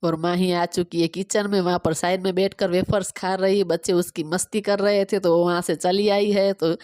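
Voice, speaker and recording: A woman in her thirties from Gujarat, native Gujarati speaker, chatting quickly through a home cooking and cleaning vlog on a phone camera. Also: fairly low pitch, level tone, darkish tone, no room sound, clean studio sound. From Gujarat, India. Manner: fast-talking, chatty step-by-step explaining. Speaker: vlogger.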